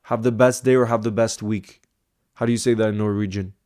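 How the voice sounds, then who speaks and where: A man's voice: lowish voice, fairly even intonation, brisk, a little mellow, smooth. A man hosting a casual football live stream, answering viewer comments in a chatty, thinking-aloud way with small restarts.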